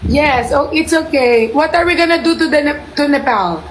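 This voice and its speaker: A woman's voice: high-pitched, normal speed, a little hiss or hum, low-quality recording. A woman hosting a casual live stream, teasing and playful, moving between Tagalog and English. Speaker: livestream host. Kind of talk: casual live video chat.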